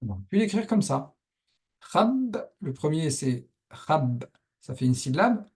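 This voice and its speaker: A man's voice: on the high side, lively intonation, a little fast, mellow, husky. A male Arabic teacher patiently explaining a lesson step by step over on-screen writing, with frequent verbal check-ins to his students.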